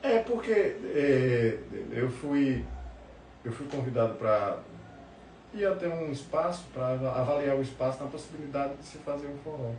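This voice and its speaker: A man's voice: mid-range voice, expressive, normal speed, darkish tone. A man with a northeastern Brazilian accent telling anecdotes in casual chat as a podcast guest, often repeating words as he goes. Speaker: podcast guest, forró musician. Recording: roomy, distant mic, faint background noise.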